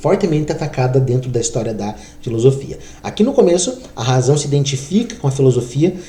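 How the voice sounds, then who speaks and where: Room echo is audible and background noise noticeable as a man speaks fairly quickly. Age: 30s. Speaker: philosophy teacher. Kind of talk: lecture. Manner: fast; conversational.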